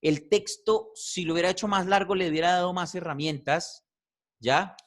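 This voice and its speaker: A man teaching a voice class, animated and repetitive, checking in with "¿cierto?" often. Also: high voice, normal speed. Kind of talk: online class feedback.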